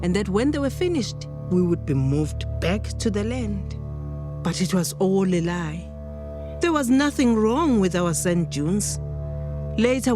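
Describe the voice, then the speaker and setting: A solemn granddaughter from a line of healers played by a woman tells her story in a radio play. Her delivery is slow, measured and emphatic. Music plays clearly underneath. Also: medium pitch, lightly acted. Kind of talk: dramatic storytelling monologue.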